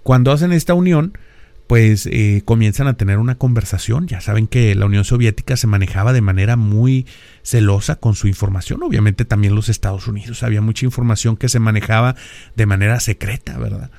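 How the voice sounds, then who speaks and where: A middle-aged Mexican podcast host with a northern, Monterrey accent explains ideas in a lecturing style, often tossing in rhetorical questions and the tag "¿verdad?". His voice is on the low side, fairly quick, dark and marked by vocal fry, with no room sound.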